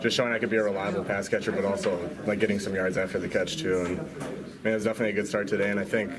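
A man's voice: fairly low pitch, little pitch movement, rapid-fire. A young man, a college football player, chatting casually with lots of "like" and "definitely" into reporters' mics. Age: young adult. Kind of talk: postgame locker room interview. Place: locker room hallway, indoors. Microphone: handheld reporter mics. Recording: loud crowd noise around.

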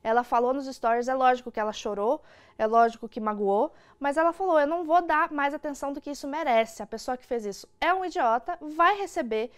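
A young Brazilian woman hosts an online news show from an indoor studio, offering casual, informal and opinionated commentary straight to camera. Her voice is high-pitched, smooth and brisk.

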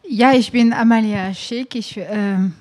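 A woman's voice: a little high, unhurried, darkish tone. A woman in her forties from France with a French accent, speaking German as a guest and hesitating with many fillers into a handheld mic. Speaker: singer-songwriter guest. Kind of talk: casual interview chat. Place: small club stage with brick wall. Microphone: handheld microphone.

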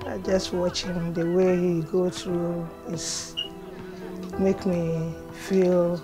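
A middle-aged woman speaks slowly and plainly, in simple phrases, from her living room. Music plays clearly behind her. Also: fairly low pitch, flat delivery. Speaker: parent. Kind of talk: documentary interview.

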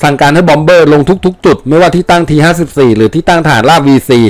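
A man voicing a blunt, hawkish American colonel who speaks forcefully and stresses every order. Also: on the high side, fast, no echo, pitched above the performer's own voice, lightly acted. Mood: commanding.

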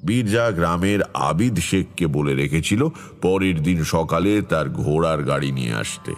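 An actor playing a brooding tantrik storyteller, narrating his eerie past in a measured, reflective horror audio drama. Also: low voice, lively intonation, soft background music.

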